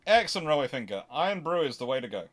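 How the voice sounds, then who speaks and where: A history livestream host runs an unscripted question-and-answer stream, talking casually but haltingly, digressing and often correcting himself. His voice is on the high side with big pitch swings.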